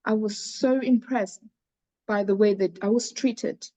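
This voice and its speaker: A woman's voice: mid-range voice, fairly even intonation, measured pace, mellow, no echo. A middle-aged woman from Cameroon, a charity founder earnestly telling her personal story in an interview, often restarting her phrases.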